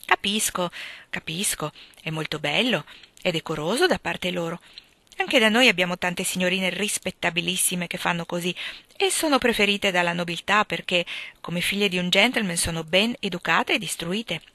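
Brief: storybook reading of a condescending young English lady, voiced by a woman, bright and dry. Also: lowish voice, moderate pace, dry recording. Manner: patronizing, polite and superior.

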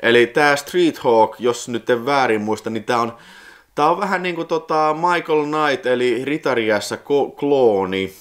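A man in his forties hosting a casual unboxing vlog, rambling with nostalgia and breaking into excited squealing exclamations. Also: medium pitch. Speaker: video collector channel host.

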